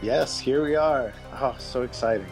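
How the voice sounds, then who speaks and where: A man chatting casually as a guest author, halting and thinking aloud as he goes. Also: mid-range voice, music in the background. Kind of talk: casual chat.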